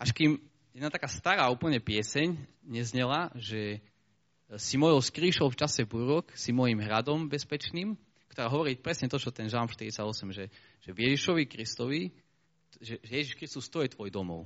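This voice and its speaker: A normal speaking voice with lively intonation. The pace is moderate. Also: man, medium pitch for a man. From eastern Slovakia, Michalovce. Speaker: preacher. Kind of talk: sermon.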